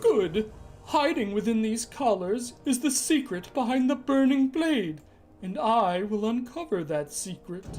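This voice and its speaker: A put-on character voice at a fairly high pitch and a fairly slow pace. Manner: funny, comedic.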